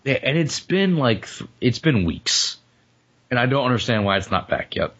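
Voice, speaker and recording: A male podcast co-host, hoarse and losing his voice after the flu, chatting casually and joking with frequent laughs. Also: mid-range voice, sing-song, moderate pace, fairly bright tone, dull audio. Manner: joking, rambling, laughs often. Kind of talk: casual comedic chat.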